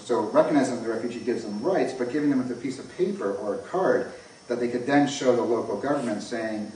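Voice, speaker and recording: A man's voice: lowish voice, a little mellow. A man with a North American accent gives an informal academic lecture, explaining things and often stressing phrases. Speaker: academic conference speaker. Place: echoey indoor lecture room. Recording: echoey room, distant mic, faint noise.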